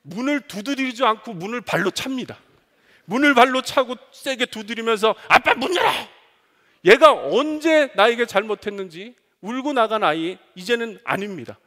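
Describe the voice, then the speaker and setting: A male pastor preaching a sermon with animated storytelling, acting out the voices of his family. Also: very high-pitched, normal speed. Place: church sanctuary. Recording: long reverb of a church hall.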